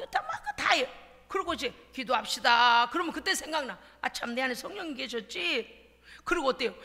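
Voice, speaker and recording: A middle-aged woman pastor preaching in a church, swinging between hushed asides and sobbing shouts as she acts out her prayers. Her voice is high and very lively, and it rings out with a long hall reverb. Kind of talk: animated sermon. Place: church sanctuary.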